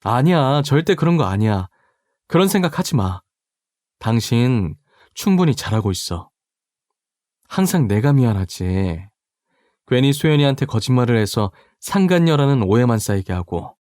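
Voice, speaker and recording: A man voicing a gentle middle-aged husband who comforts his wife softly and slowly. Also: medium pitch, sing-song, no echo, studio quality, lightly acted. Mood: soothing. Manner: soft, soothing, slow.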